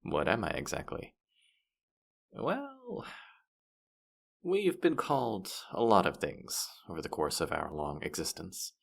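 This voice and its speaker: A man's voice: deep voice, sing-song, slow pace, creaky, pauses often, full character voice. A man playing a boastful, teasing demon who guides souls through the afterlife, playful and smug in a fantasy audio roleplay. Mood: explaining, hesitant. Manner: playful, smug, mock-offended, hesitating mid-thought. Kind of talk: scripted character audio roleplay addressed to the listener.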